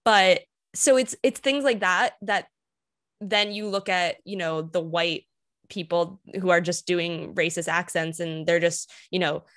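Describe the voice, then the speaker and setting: Expressive woman hosting a podcast. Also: fairly low pitch, measured pace, no echo, studio quality. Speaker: podcast host. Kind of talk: casual chat.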